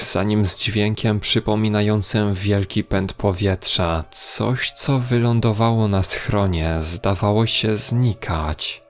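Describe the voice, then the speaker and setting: Deep, gravelly man narrating horror. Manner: measured, grave storytelling. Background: faint music.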